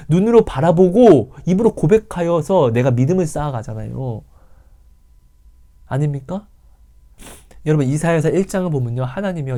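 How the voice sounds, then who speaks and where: Male preacher, sermon, dramatic, rhetorical questions, mellow warm voice, lively pitch. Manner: emotional, dramatic swings from loud calls to hushed whispers; asks the listeners rhetorical questions. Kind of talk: sermon and testimony.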